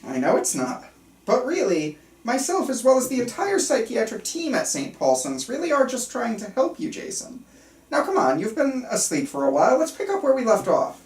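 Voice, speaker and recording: Playing an earnest, controlling male psychiatrist in a table reading of a film script, a woman speaks in a slightly high, a little mellow voice whose pitch swoops wildly, at a moderate pace. Her delivery is calm, clinical and insistent with slight stumbles, recorded roomy on a distant mic with faint room noise.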